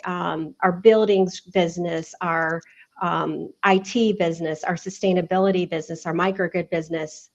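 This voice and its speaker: Middle-aged woman, slightly muffled recording. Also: mid-range voice. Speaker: guest, regional sales director. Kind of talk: casual interview chat.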